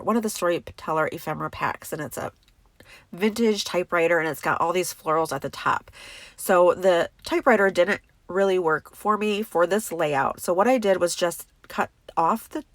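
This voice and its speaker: A woman in her thirties talks through a craft project in a relaxed, chatty voice-over. Her voice is congested and stuffy, a little on the low side, and the close recording is very dry with no room sound. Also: no room sound. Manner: chatty and enthusiastic, many fillers. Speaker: crafting tutorial host. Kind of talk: casual voice-over craft tutorial.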